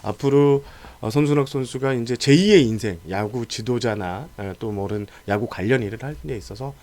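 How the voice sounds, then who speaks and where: A man hosting a sports talk show, speaking colloquially in a lively, casual way with frequent interjections. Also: mid-range voice, moderate pace.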